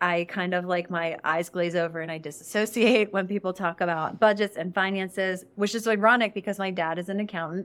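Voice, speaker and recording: With an unremarkable speaking voice, a woman talks at a fairly quick pace and medium pitch, her intonation fairly even and hardly any pauses. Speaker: co-host, office manager. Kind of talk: casual podcast chat.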